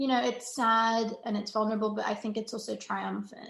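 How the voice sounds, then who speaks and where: A somewhat breathy woman's voice, fairly high in pitch, at a moderate pace. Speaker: singer-songwriter. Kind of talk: interview. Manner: stutters at times.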